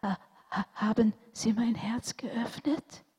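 A woman voicing a small, sick, trusting boy who talks high and insistently. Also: expressive, unhurried, darkish tone. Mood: faint. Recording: long hall reverb.

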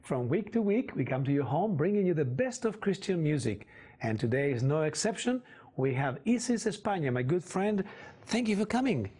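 A man hosting a Christian music TV show who interviews his guest, often pausing on fillers and chiming in with affirmations. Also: a little high, very animated, mellow, slightly rough. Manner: hesitant with fillers, frequent affirmations. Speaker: host.

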